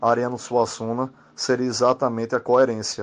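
Medium pitch and moderate pace from a man's voice. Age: 30s. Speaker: writer's grandson, cultural heritage promoter. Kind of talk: interview.

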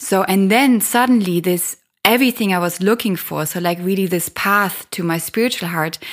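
A woman with a German accent, fairly quick in pace, with ordinary pitch variation. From Germany. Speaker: cacao ceremony facilitator. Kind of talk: interview.

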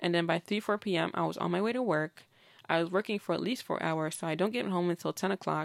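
On a very clean recording with a silent background, a woman's fairly low voice shows ordinary pitch variation in dry, close sound with no echo. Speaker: solo podcast host. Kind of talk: casual personal monologue. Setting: home recording, backyard. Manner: low-energy, slumped delivery.

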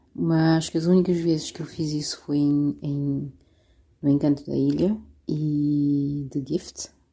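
The speaker goes at a fairly slow pace with fairly even intonation. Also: woman, very deep, low pitch for a woman. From Cape Verde. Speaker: author. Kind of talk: interview.

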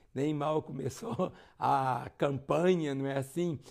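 Fairly high-pitched, a man with a Minas Gerais accent is heard on a very clean recording with a silent background. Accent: mineiro Brazilian Portuguese. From Brazil, Minas Gerais (Belo Horizonte). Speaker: pastor. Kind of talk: sermon.

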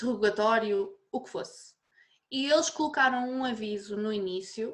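In an unremarkable speaking voice, a woman talks at a fairly slow pace with a fairly high pitch. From Portugal. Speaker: nurse and book blogger. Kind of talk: casual chat.

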